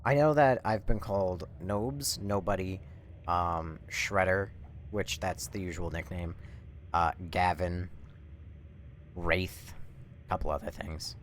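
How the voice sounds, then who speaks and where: A man doing casual live game commentary, rambling and swearing as he thinks out loud. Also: sits low, slow, long pauses. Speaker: live streamer. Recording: faint background noise.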